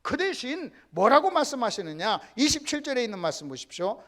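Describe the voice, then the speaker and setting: Preaching emphatically, this male pastor repeatedly addresses his congregation and occasionally sinks into a hushed whisper. His voice is extremely high with big pitch swings, and he talks a little fast.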